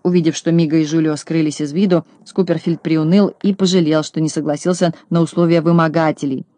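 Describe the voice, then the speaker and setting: An audiobook narrator reading a children's tale in an even storytelling delivery. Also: medium pitch, a little fast, dry recording. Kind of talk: scripted narration.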